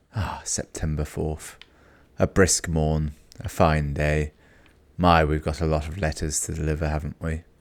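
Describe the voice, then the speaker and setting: In a put-on character voice, a man speaks at a moderate pace, his very deep, low pitch hoarse and strained, with monotone, flat intonation. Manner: calm, measured.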